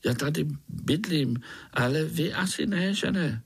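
A man voicing a timid, shy little young male spider who stammers and speaks softly. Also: on the high side, animated, creaky, husky, voice pushed up, full character voice. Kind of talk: storybook reading.

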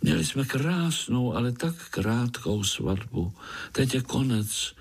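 A man voicing a young female fly bride bidding a slow, melodramatic farewell. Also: medium pitch, lively intonation, gravelly, slightly rough. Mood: mournful.

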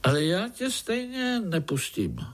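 A man's voice: high voice, huge pitch swings, pitched above the performer's own voice. A man voicing a little spider boy who is boastful yet easily startled. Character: little spider boy, proud but lonely.

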